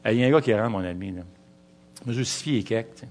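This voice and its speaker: A middle-aged man with a Quebec French accent, preaching a sermon, weaving in personal stories and slowing down to stress key words. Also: lowish voice, darkish tone.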